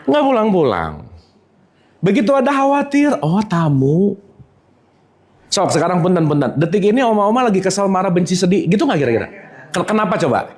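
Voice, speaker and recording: A religious teacher gives a relaxed spiritual lesson to a live audience. His voice swings widely up and down as he keeps tossing questions at them. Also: high-pitched, fairly quick. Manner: lively, keeps quizzing the audience.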